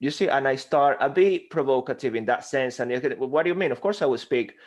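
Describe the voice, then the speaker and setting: A man from Venezuela with a Venezuelan Spanish accent, a Spanish native speaker talking as a guest speaking coach in an interview, animated and passionate, acting out little dialogues. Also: medium pitch, fast talker. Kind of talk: energetic interview conversation. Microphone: desk microphone.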